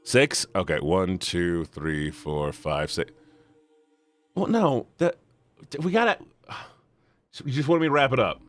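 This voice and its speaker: A man reading a visual novel aloud and joking between lines, with an animated manner that jumps high in pitch. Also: a little slow, pauses often, faint music behind. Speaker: game voice-over streamer.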